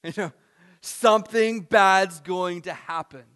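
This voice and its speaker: A male pastor preaching a sermon to his church, earnest, rising to emphatic points and then dropping soft. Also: high voice, slow pace, smooth.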